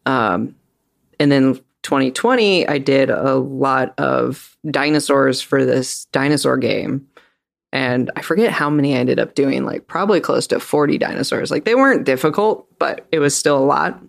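A man who works as an illustrator, co-hosting a podcast in a relaxed, filler-heavy way. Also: medium pitch, moderate pace, vocal fry. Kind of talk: casual chat.

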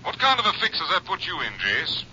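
An American man acting as a brisk, businesslike police captain heard through a telephone effect in a 1950s radio drama. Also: high voice, wildly swooping pitch, sharp tone, full character voice. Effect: telephone filter. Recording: muffled, noisy old radio recording.

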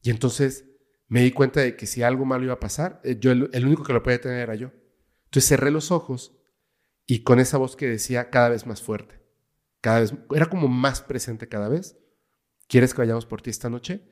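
Guesting on a relaxed podcast interview, a paranormal investigator with a Mexican Spanish accent recounts a story with drama, going quiet at the tense moments. He talks briskly at a medium pitch.

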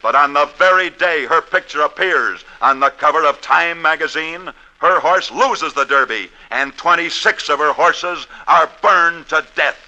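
A man narrates scripted sports tales in a dramatic, declamatory manner, like a host of a 1940s radio show. His voice is very bright and ringing, and sits a little high. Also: measured pace, hardly any pauses, lo-fi sound.

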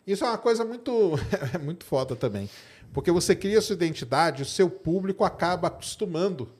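A man hosting a casual interview, encouraging and quick with short affirmations. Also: high voice, expressive, darkish tone, husky. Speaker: interviewer host.

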